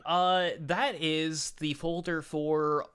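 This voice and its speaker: A bright, clear-toned man chats on a live stream. He rambles and restarts, scattering uhs as he talks through pictures, casual and loose. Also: fairly high pitch, little pitch movement, slow. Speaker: show host sharing his picture folder.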